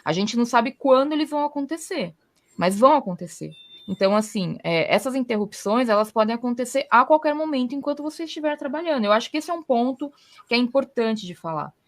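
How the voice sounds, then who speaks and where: A woman's voice: on the high side, lively intonation, fast. A Brazilian woman hosting a casual talk, explaining her points with everyday examples. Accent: Brazilian Portuguese. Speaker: podcast host. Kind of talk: casual conversational advice.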